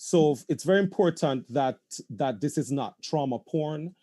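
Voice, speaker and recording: A playwright on a video call panel, talking thoughtfully and halting with many restarts. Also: male voice, on the high side, expressive, warm tone. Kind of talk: panel discussion.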